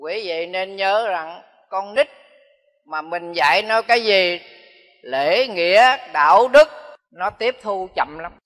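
A man's voice: high voice, animated, takes it slowly, fairly bright tone. An older man, a Buddhist monk, giving a folksy dharma talk that repeats phrases for emphasis. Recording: long hall reverb.

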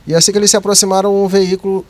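Higher-voiced policeman. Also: flat delivery, rapid-fire. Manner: formal police wording, frequent tag questions. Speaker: military police officer being interviewed. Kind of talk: interview account of an incident. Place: night, sheltered entrance outside a police station. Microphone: handheld mic, speaking through a cloth mask.

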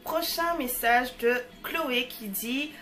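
A woman's voice: high voice, slow, a bit bright, faint music behind. A woman in her early twenties chatting casually to camera as she answers viewer messages, bubbly and full of slangy fillers.

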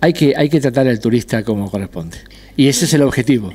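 A middle-aged man from Argentina, a restaurant owner and dentist, answering interview questions in a measured way with frequent hesitations. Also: medium pitch, animated, a little mellow, slightly rough. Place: decorated restaurant patio. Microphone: handheld interviewer mic.

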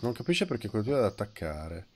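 A man's voice: on the low side, sing-song, brisk, a little mellow. A man in his thirties with a nasal, stuffed-up voice, chatting casually and bluntly as he streams a video game, teasing and swearing. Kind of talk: casual live gameplay chat.

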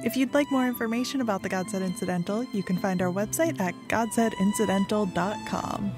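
A woman with a mid-pitched voice narrates a scripted podcast promo. Plucked guitar plays clearly behind her. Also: brisk. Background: guitar music.

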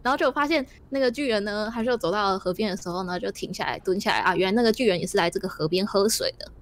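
A woman, a streamer improvising a story in a board game, giggly and animated. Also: mid-range voice, fast.

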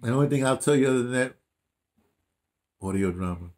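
This American audio dramatist, in his sixties or older, sounds expressive and a little fast, with a medium pitch and darkish tone. Interviewed in a small room at his home, he reflects and tells stories casually, rambling with emphasis, false starts and repetition.

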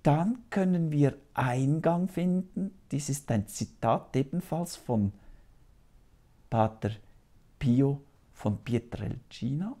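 Slow, gravelly priest in a studio. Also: male voice, medium pitch, dark tone. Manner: slow, solemn, earnest. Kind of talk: televised sermon. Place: small TV studio.

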